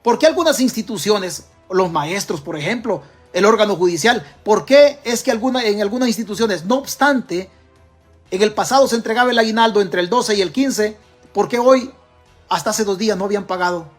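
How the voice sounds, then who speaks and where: A man with a Salvadoran Spanish accent delivers an emphatic political monologue, throwing question after question at his listeners. His voice sits high for a man and sounds husky, with faint music playing underneath. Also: lively intonation, brisk. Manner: emphatic, fires rhetorical questions at the audience. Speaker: political commentator. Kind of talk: direct-to-camera political commentary.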